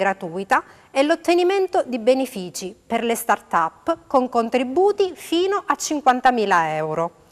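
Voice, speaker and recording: A woman's high voice with very wide pitch swings, fairly slow, in a dry, close recording with no echo. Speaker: TV segment presenter. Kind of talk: scripted announcements.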